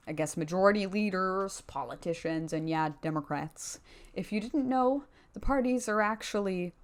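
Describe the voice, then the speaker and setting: A woman speaks in a somewhat low register, addressing her viewers directly. She delivers opinionated commentary in a casual, slangy way and leans on her points with emphasis. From Canada. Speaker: video commentary host.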